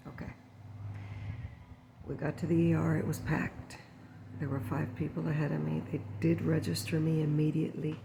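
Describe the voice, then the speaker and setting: A woman, telling a story in a soft, unhurried ASMR chat to viewers and drifting into whispers, while sitting at home. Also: low voice, little pitch movement, vocal fry, noisy background. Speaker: ASMR channel host.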